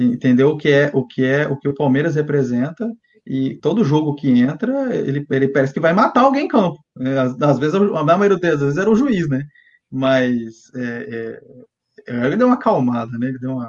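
A man speaks in an ordinary speaking voice at a moderate pace. His pitch sits fairly high, with lively intonation. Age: 30s. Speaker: football fan, show supporter. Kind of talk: casual chat.

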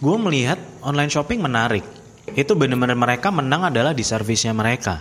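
In a strong Javanese accent, a man speaks at a very fast pace with lively intonation. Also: medium pitch for a man. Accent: strong Javanese (medok). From Surabaya, East Java. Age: 30s. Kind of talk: casual chat.

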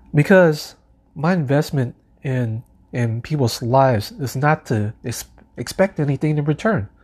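In a very clean recording with a silent background, a man speaks with lively intonation in a somewhat breathy voice. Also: fairly slow pace. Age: 30s. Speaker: podcast host and church youth minister. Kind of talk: solo casual monologue. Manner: halting, many fillers and restarts.

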